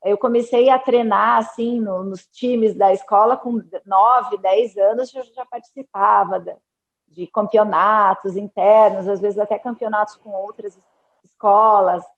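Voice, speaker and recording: A Brazilian woman in her forties from Curitiba, a guest telling her story calmly in an interview. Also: mid-range voice, unhurried, lo-fi sound. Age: 40s. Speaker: guest, ophthalmologist. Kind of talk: interview conversation.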